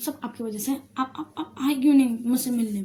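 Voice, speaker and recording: A woman's voice: sits high, fairly quick, warm tone, a little hiss or hum, close to an everyday voice. A woman voicing a fretful, lovesick young woman student who stammers and pleads. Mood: pleading.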